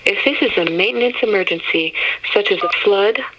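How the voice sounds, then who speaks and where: A recorded phone menu message reading options in an even, clearly spaced scripted announcement. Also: mid-range voice, brisk, slight background noise, low-quality recording. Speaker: automated phone greeting.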